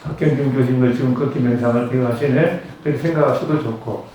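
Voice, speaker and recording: An older man gives a conversational Buddhist lecture and now and then leads slow chants. His voice sits in the middle range. He is picked up from a distance in a strongly echoing lecture room. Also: medium pitch, fairly even intonation, background noise. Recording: very echoey room, distant mic.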